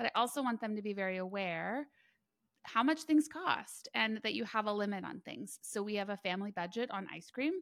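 A woman with a plain, everyday voice speaks at medium pitch. She moves at a fairly quick pace with lively intonation. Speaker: CFO, author and business owner. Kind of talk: casual chat.

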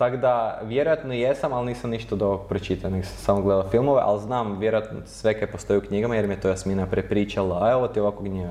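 Over noticeable background noise, a man with a fairly low pitch talks at a very fast pace with hardly any pauses and fairly even intonation. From Croatia, Zagorje. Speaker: singer-songwriter and English teacher. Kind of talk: casual chat. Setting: studio.

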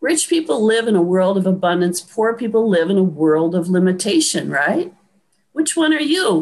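A woman's voice with very wide pitch swings at a moderate pace. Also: medium pitch for a woman, very even loudness. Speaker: educator and presenter. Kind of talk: online presentation. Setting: video call. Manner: upbeat, encouraging.

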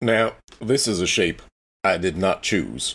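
A man's fairly low put-on character voice at a fairly slow pace, on a very clean recording with a silent background. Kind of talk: accent asked for.

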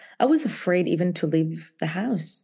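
A woman with an Israeli accent, medium pitch, a somewhat breathy, dark, mellow tone and a moderate pace. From Israel (Jerusalem). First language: Hebrew. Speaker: author and therapist. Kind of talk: interview. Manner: animated.

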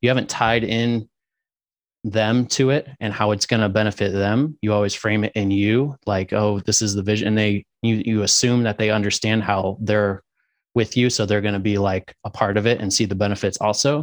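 In an ordinary speaking voice, a man talks at a moderate pace and a fairly low pitch, his loudness very even and the sound dry and close with no echo. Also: quiet background. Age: 20s. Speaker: relationship life coach. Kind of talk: casual interview.

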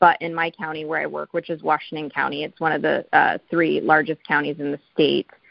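Words come at a fairly quick pace in a West Coast accent. There are hardly any pauses. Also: woman. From Oregon, US. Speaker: family law attorney. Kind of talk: interview. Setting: call.

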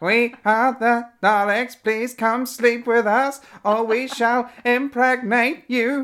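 A female-sounding, put-on character voice, high-pitched and very slow. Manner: menacing, sinister.

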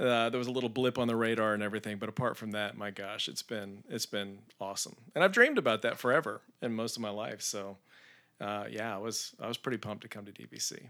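A man with an American accent at a medium pitch, very fast, with fairly even intonation, big swings in loudness and a bright, sharp tone, in a very clean recording over a silent background. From Texas (Spring, near Houston). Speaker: pastor. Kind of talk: testimony.

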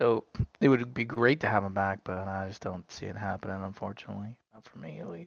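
A man speaks very fast at a fairly low pitch with ordinary pitch variation. The sound is dry and close, with no echo. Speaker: guest, clan moderator.

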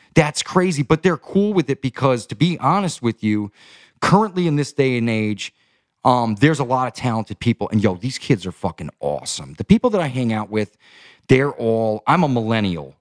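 In a New York accent, a man speaks at a fairly quick pace and medium pitch with very wide pitch swings, in a dry, close sound with no echo. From US Northeast (Albany, New York). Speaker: fashion designer and artist. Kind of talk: casual interview. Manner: energetic; animated.

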